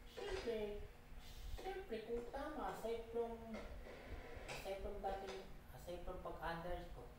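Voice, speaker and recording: Very echoey, distant Filipino woman, rambling casually. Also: medium pitch. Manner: halting, repetitive, switches between Tagalog and English. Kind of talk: casual rambling chat while driving. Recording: very echoey, distant mic, noisy background.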